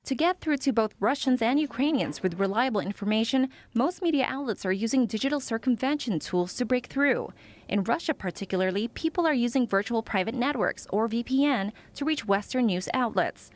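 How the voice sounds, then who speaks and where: Higher-pitched woman news reporter. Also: expressive, fairly quick. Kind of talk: scripted news narration.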